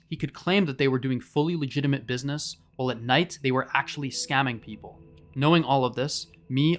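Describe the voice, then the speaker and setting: A man's voice: medium pitch, a bit bright. A man giving scripted, documentary-style narration as a scambaiter presenting an investigation.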